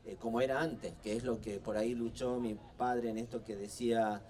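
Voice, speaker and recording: A middle-aged man talks at a book fair. He is earnest and unhurried, with plenty of fillers and restarts. His mid-pitched voice sounds distant, as if caught by a microphone well off in an outdoor plaza. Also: steady tone, a little mellow. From Humahuaca, Jujuy, northwest Argentina. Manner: earnest, slow, halting with many fillers and restarts. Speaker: writer and guest speaker. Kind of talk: public talk at a book fair.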